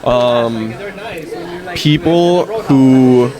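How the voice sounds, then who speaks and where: A man with a raspy voice, hoarse from a head cold, chatting bluntly as a guest and swearing freely. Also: mid-range voice, drawn-out words. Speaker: wrestler guest. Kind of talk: casual interview chat. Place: busy tattoo expo floor. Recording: loud crowd noise around. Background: loud crowd chatter.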